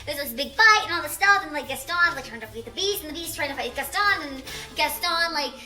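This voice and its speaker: Young female vlogger on helium: squeaky, bright, giggly, rambling playful retelling, echoey room. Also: lively intonation, brisk, soft background music. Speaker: video creator. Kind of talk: playful challenge vlog retelling film plots.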